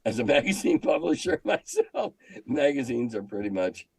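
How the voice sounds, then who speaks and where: A man's voice: medium pitch, sing-song, moderate pace, gravelly, a little mellow, breathy edge, dry recording. An older man with an American accent, chatting casually as an interview guest in a plain-spoken, wry way. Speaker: interview guest, retired magazine editor. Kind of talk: casual chat.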